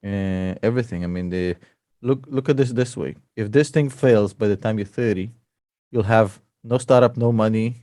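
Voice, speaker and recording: A man's voice: on the low side, moderate pace, warm tone, no echo, studio quality. A man chatting casually as an investor, joking, teasing and swearing freely. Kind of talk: casual chat.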